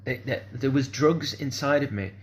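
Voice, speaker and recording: A man's voice: mid-range voice, moderate pace. A man, speaking in a rambling, hesitant monologue full of fillers and restarts. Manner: hesitant, repeats "kind of sort of", restarts often.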